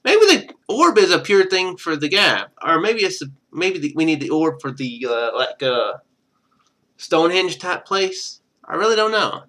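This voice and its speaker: Bright-voiced, animated man reading a game aloud. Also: fairly high pitch, moderate pace. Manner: wry, sarcastic asides. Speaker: game streamer. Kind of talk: live let's play, reading game text aloud with casual commentary.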